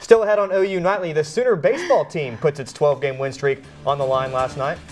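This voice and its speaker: A man at a fairly high pitch, with lively intonation and a fairly quick pace, over music in the background. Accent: American. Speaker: college student news anchor and reporter. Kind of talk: TV news anchor reel.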